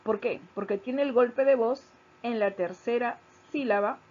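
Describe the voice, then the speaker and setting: Woman, teacher, husky voice, explanatory lesson, repeats key points, muffled lo-fi audio. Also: fairly high pitch, a little slow. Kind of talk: recorded grammar lesson. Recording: dull lo-fi recording.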